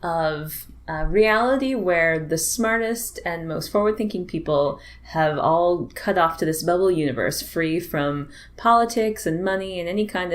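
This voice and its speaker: A woman co-hosting a movie podcast in casual chat, laughing often and talking with animation. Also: deep voice. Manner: giggly, animated. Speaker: podcast co-host.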